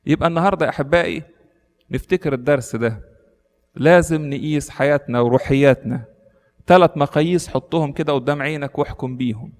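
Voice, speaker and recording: Give me an Egyptian preacher who tells a parable and then presses it home with earnest appeals. He talks fast in a slightly high voice. A long church reverb surrounds him. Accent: Egyptian Arabic. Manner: storytelling, earnest exhortation. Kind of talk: sermon.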